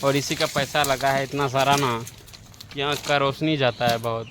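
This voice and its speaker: Male vlogger, slightly high voice, casual, outdoor phone audio with steady noise. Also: normal speed. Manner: lively, coos to animals. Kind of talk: casual vlog narration. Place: rural farmyard outdoors.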